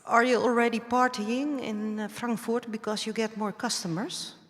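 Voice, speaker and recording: A woman's voice: a little high, fairly even intonation, normal speed. A woman from the Netherlands with a Dutch accent, hesitantly asking a question as a journalist at a press conference. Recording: reverberant conference hall.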